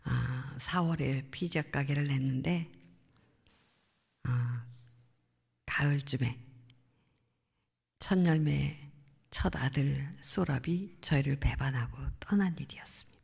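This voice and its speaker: Middle-aged woman, missionary testimony, gravelly and mellow, earnest and reflective, echoing church hall. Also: rumbling low, slow, pauses often. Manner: earnest, reflective storytelling with soft trailing phrases. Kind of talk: personal testimony at a prayer meeting. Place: church sanctuary. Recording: long church hall reverb.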